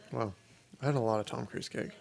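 Gravelly, excitable podcast co-host. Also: male voice, mid-range voice. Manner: excitable, swears often, jokey. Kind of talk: casual live commentary.

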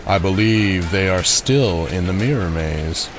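A man playing a sinister, knowing carnival showman in a dark audio drama, with an ominous, poetic and politely menacing manner. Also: low-pitched, unhurried, background noise. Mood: sly, amused. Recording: music under the voice.

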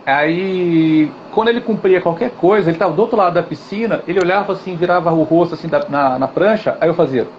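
A man's voice: fairly high pitch, brisk, hardly any pauses. A man, a guest teacher in a live interview, talking casually and acting out gestures and quotes as he tells stories. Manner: animated storytelling with gestures and acted quotes. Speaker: guest, swimming and physical education teacher. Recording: dull, slightly noisy audio.

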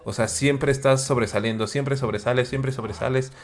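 A man's voice: medium pitch, fairly even intonation, normal speed. A man with a Mexican accent in a casual chat, speaking earnestly and repeating his points for emphasis. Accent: Mexican Spanish.

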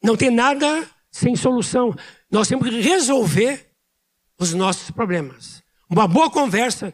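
A man preaching a sermon as pastor, speaking loudly with pauses and emphatic repetition. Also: high voice. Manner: speaks loudly by his own account.

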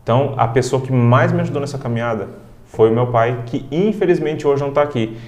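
A man's voice: mid-range voice, brisk, darkish tone, reverberant. A man, telling a personal story as a guest in an interview, emotional and heartfelt. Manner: emotional, heartfelt, frequent "cara". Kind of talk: casual storytelling in a podcast interview.

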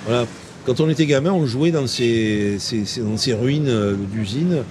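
A man's voice: medium pitch, unhurried. An older man from Marseille with a light Marseille accent, rambling in a playfully grandiloquent way while chatting outdoors. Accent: Marseille French, lightly mixed. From Marseille, France. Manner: mock-learned, playfully grandiloquent. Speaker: interviewee passer-by. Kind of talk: rambling philosophical bar chat. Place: outdoors, urban terrace. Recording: outdoor street noise.

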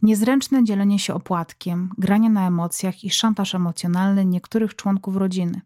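A woman hosting a podcast, reading listeners' letters aloud in a calm, measured way. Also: mid-range voice, no echo, studio quality. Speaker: podcast host.

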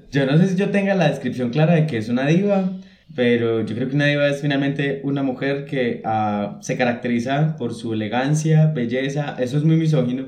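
A man talks casually as a podcast co-host, rambling a little as he looks for the right word. His pitch is average, and the recording has noticeable room echo. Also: a little mellow. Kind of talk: casual conversation. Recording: roomy, echoey room.

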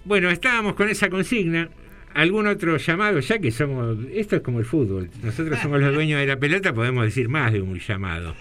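A man's voice: a little high, lively intonation, brisk, fairly bright tone, soft background music. A man with an Argentine Spanish accent hosting a casual podcast conversation, chatty and leading the topics with questions. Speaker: podcast host.

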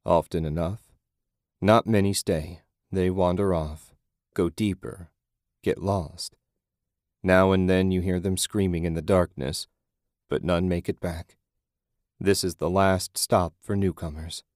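A man playing a grim, calm blind guide. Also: a little slow, pauses often, no room sound, studio quality. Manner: calm, low, matter-of-fact.

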